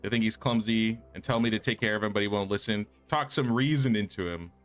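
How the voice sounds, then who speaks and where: A man's voice: lowish voice, brisk, clean tone, soft background music, natural voice. A man voicing an upset young village girl complaining about her brother in game quest dialogue. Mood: aggrieved.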